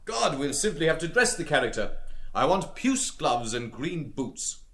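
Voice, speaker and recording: A man's voice: a little high, very animated, measured pace, fairly bright tone, voice pushed up, exaggerated voice. A man voicing a boisterous, mocking young Irish man in a literary audiobook, declaiming and swinging from banter to mock-solemn chant. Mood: brisk, flamboyant.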